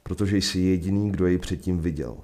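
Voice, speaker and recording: A man voicing a normally calm tribal leader who speaks quietly and earnestly. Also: low-pitched.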